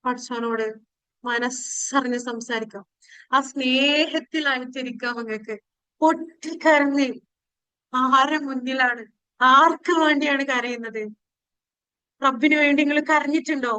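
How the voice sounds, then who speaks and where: A woman leading a guided spiritual meditation and prayer in a pleading, devotional way with drawn-out phrases. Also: sits high, bright, forceful tone, clean tone, no room sound, low-quality recording.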